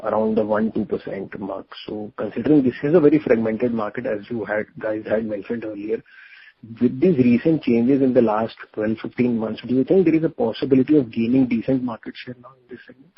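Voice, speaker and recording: A man's voice: medium pitch, expressive, fairly quick, gravelly, breathy edge, no echo. A man calling in to an earnings call with a question, speaking hesitantly. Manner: hesitant, checking if he is heard. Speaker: analyst caller. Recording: muffled quiet phone line.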